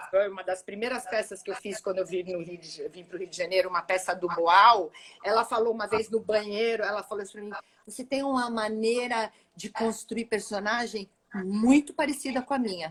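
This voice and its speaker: Fairly high-pitched and fairly quick, a woman talks in an ordinary speaking voice with ordinary pitch variation and big swings in loudness. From São Paulo, Brazil. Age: 60s. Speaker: actress. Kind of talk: interview. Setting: live stream.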